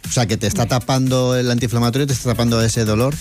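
A man's voice: mid-range voice, steady tone, quick pace, darkish tone, faint music behind. A man co-hosting a radio show, wry and self-assured in casual banter. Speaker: radio co-host.

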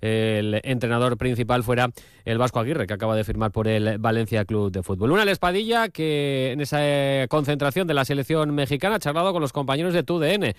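A man's voice: medium pitch, smooth, no echo, clean studio sound. A man working as a sports radio reporter, presenting a news item in a fluent broadcast style. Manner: fluent broadcast delivery, with filler pauses.

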